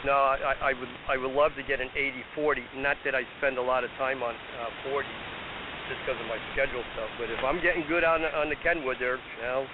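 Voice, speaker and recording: A man's voice: medium pitch, fairly even intonation, fast talker, phone-quality sound. A man talking as an amateur radio operator over AM shortwave, in a casual, rambling technical chat. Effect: AM shortwave radio transmission. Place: amateur radio station, heard through a receiver. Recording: thin, very noisy, hissy shortwave reception.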